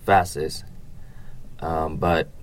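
A man's voice: very deep voice, level tone, very slow. A young man from Vietnam with a Vietnamese accent, giving casual, hesitant interview answers in colloquial English. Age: young adult. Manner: hesitant, colloquial, hedging with "you know". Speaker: interviewee, economics student.

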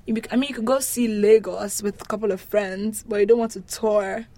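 A woman with a mid-pitched voice talks as a guest in a casual interview. She is candid and informal, often driving a point home by repeating it. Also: steady tone, brisk, mellow, no echo. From Nigeria.

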